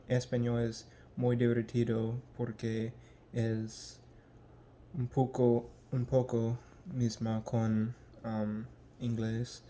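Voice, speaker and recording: Young American man, language-learner vlog, halting, slow, mellow voice. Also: medium pitch, slight background noise. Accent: American English. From United States. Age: young adult. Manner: halting, searching for words with many ums. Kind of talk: casual vlog.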